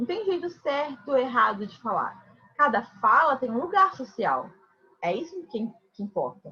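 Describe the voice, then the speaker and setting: The voice is raised and projected, moving at a fairly slow pace. Its pitch swings very widely. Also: woman, high pitch for a woman. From Brazil, São Paulo state (São Vicente). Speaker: teacher. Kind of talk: online lecture. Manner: conversational.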